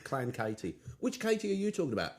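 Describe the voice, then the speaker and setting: A man co-hosting a comedy podcast, trading quick jokes in casual banter on a studio microphone. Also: mid-range voice, huge pitch swings. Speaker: podcast co-host.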